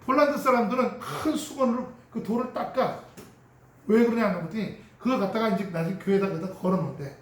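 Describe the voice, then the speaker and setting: A man preaches a sermon in a fairly high voice, shifting into acted prayers and chuckling as he goes. He sounds set back from the microphone, and his voice rings through a reverberant church sanctuary. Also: quick pace, a little hiss or hum. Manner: animated preaching, acting out prayers and quarrels; chuckles often while speaking. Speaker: pastor. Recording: roomy echo from a distant mic.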